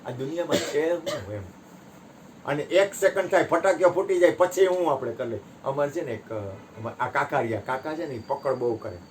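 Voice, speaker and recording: A man giving a satsang discourse, telling parables with sharp rises and drops in his voice. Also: a little high, moderate pace, a little hiss or hum. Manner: animated storytelling, voice rising and dropping sharply. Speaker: spiritual teacher.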